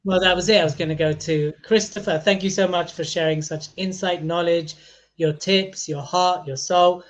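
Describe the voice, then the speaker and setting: A man's voice: high-pitched, fairly even intonation, moderate pace. A man hosting a podcast, joking and teasing his co-host in a playful way. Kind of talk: casual podcast chat.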